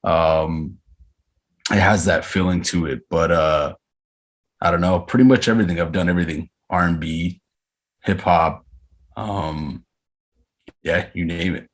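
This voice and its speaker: A man in his thirties from Arizona, a podcast guest talking casually about his life with frequent pauses and hesitations. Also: low-pitched, steady tone. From Arizona, USA. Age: 30s. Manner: reflective, unhurried, frequent hesitations. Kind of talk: casual interview chat.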